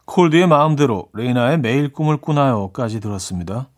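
A man's voice: medium pitch, lively intonation, brisk. Chatty male radio DJ. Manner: chatty, reads listener messages and plays up reactions. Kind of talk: casual radio show hosting.

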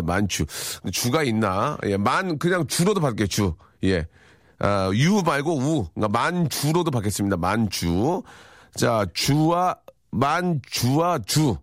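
A man's voice: mid-range voice, no echo, clean studio sound. A middle-aged man hosting a radio show, chatting playfully and acting out quoted lines for laughs. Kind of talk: morning radio talk. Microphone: studio microphone.

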